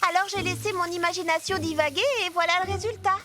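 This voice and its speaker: Cartoon role: a candid, upbeat, friendly girl, tiny very high voice. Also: steady tone, quick pace, over music. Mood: sheepish, candid. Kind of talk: French-dubbed children's cartoon acting.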